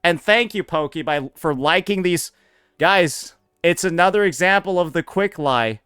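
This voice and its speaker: A man's voice: fairly high pitch, measured pace, bright, forceful tone, smooth, no echo. A man doing sarcastic, profane reaction commentary as a streamer, recorded on a close mic.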